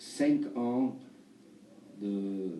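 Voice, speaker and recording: There is audible room echo as a man speaks in a dark, mellow tone with a Portuguese accent. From Brazil. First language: Portuguese (speaking French). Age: 30s. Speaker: actor. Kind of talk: interview. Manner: halting.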